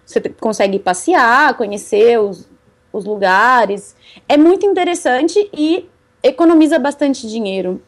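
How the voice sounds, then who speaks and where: A woman's voice: a little high, expressive, a little slow. A young Brazilian woman telling about her bicycle travels in a casual interview, chatty and laughing often. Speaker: cycle traveler guest.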